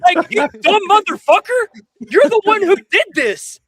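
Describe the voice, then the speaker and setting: A man with a high voice that swings widely in pitch, ranting casually on a livestream. He is emphatic and incredulous, with slangy, profane phrasing. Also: very animated, a little slow, fairly bright tone, no room sound. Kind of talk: animated casual livestream rant.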